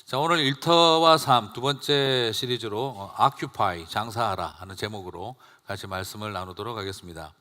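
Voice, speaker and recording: Male pastor, bright tone, conversational sermon with rhetorical questions, church reverb. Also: fairly low pitch, normal speed, hardly any pauses. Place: church sanctuary.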